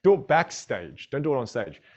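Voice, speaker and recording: A man's voice: mid-range voice, sing-song, brisk, darkish tone. A man whose first language is a Chinese dialect teaches public speaking in a live online masterclass, upbeat and greeting viewers in the chat.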